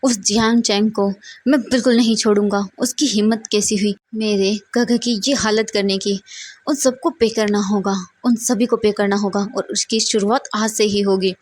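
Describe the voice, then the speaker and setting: A woman's voice: medium pitch, fairly even intonation, moderate pace, a little mellow, husky, natural voice. A woman voicing a powerful young mafia boss who speaks in a commanding, threatening way.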